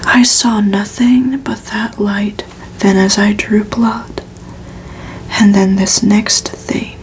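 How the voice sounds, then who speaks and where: A woman reading a gothic novel aloud for ASMR in a breathy, unvoiced whisper, hushed and deliberate, with pauses between phrases. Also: mid-range voice, little pitch movement, a little hiss or hum. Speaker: ASMR reader.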